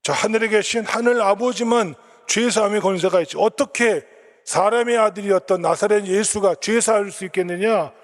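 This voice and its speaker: Indignant scribes, a male preacher putting them on, shrill and scandalized, ringing hall echo. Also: moderate pace, natural voice. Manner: scandalized, high-pitched outcry. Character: indignant scribes, grown men accusing blasphemy.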